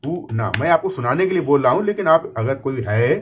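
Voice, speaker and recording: A man teaching a typing lesson, patiently explaining and drawing out each word slowly as he types it. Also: mid-range voice, lively intonation, slightly rough. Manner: patient, repeats words slowly while typing them. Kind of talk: screen-recorded typing lesson. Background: keyboard clicks.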